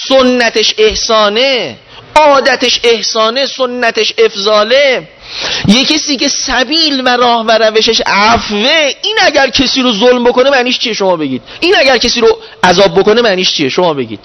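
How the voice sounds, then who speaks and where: High-voiced man lecturing a class. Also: a bit bright. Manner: recites scripture slowly, quizzes listeners with questions. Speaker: religious teacher. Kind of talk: lecture explaining a prayer text.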